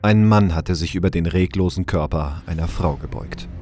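A man's voice: low voice, normal speed, over music. A man giving scripted narration for an audio drama.

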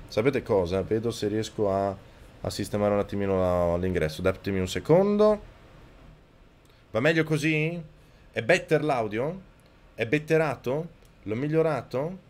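A man streaming a video game live, talking close to his microphone, yelling and swearing at the game and thanking viewers. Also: mid-range voice, lively intonation, moderate pace. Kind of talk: live gameplay commentary. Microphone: microphone very close to the mouth.

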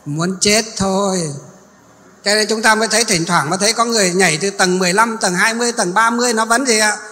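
A male Buddhist monk delivers a sermon in a high, bright voice. He poses questions to his listeners and then answers them himself. His voice carries a long reverb through a large hall. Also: quick pace.

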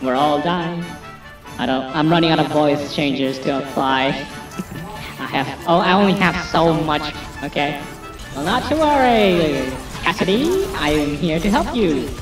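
Echoey, animated man through a voice changer. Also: fairly high pitch, unhurried, music in the background. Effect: echoing voice changer. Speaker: gamer. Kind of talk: gameplay commentary. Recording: echoey, distant, game sounds behind.

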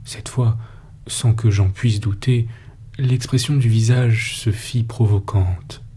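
Slow dark-voiced male narrator. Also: on the low side, slightly rough. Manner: measured, steady storytelling. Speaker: audiobook narrator. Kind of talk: scripted narration.

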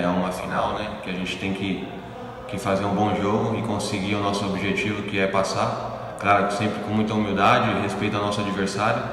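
Male player soundbite, low monotone, halting, echoey noisy hall. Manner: halting, many fillers. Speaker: football player. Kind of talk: interview soundbite.

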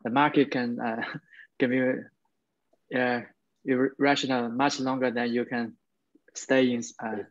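A man's voice: medium pitch, level tone, measured pace, pauses often, muffled recording. A man making brief offhand remarks in a casual group discussion on a video call.

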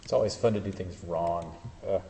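A man's voice: deep voice, brisk, gravelly, warm tone. A man giving an informal university lecture with live demonstrations, correcting himself as he goes and joking dryly. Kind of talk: classroom lecture with live demos. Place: lecture hall. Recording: roomy lecture hall echo, faint hiss.

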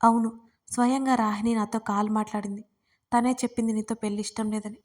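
A woman's voice: on the high side, level tone, brisk, lightly acted. Woman voicing a sorrowful worried mother. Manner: sorrowful, gentle. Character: worried middle-aged mother, tearful.

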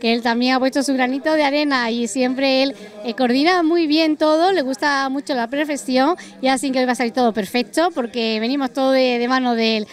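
A woman in her forties with a high, bright-pitched voice works as an interviewer at a restaurant event. She chats and keeps prompting with follow-up questions. She speaks into a handheld mic inside a busy restaurant. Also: steady tone, brisk, few pauses.

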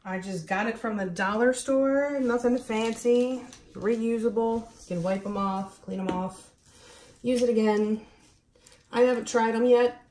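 A woman from Baltimore, United States, speaks with a local accent in a slightly high, darkish voice at a measured pace, with a little hiss or hum in the recording. Hosting an acrylic pouring demonstration, she narrates casually, thinking aloud in a hesitant, self-deprecating way.

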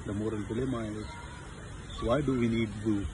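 A man's voice: fairly low pitch, steady tone, fairly quick. A young adult man with a South Asian accent, a native Hindi-Urdu speaker, chatting casually as he vlogs outdoors. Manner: chatty, talks to the animals. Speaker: vlogger. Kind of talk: casual zoo vlog chat. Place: outdoor zoo. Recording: noisy outdoor phone recording.

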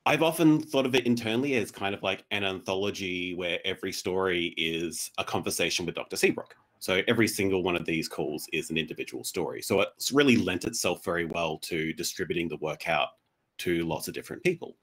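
A man's voice: sits low, fairly quick, a bit bright. A man from Australia in his thirties, a showrunner giving an unscripted panel answer on a video call. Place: room at home, indoors.

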